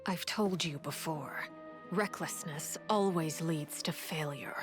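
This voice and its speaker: A woman voicing a stern, cold female leader of an orphanage who gives calm, measured, hushed commands. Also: low-pitched. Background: game music score.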